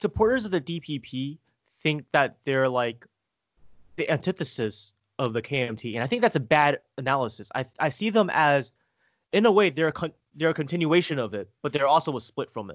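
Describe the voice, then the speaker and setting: Against a quiet background, a man with an ordinary speaking voice talks at a moderate pace, his fairly high pitch carrying lively intonation. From United States. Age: 20s. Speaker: rapper. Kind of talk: casual chat.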